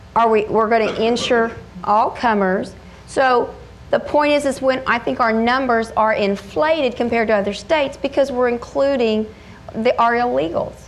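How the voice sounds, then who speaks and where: A woman with an American accent uses a normal speaking voice with a fairly high pitch and ordinary pitch variation. She keeps a moderate pace and very even loudness. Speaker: physician and state senator. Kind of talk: political discussion. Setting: stage with audience.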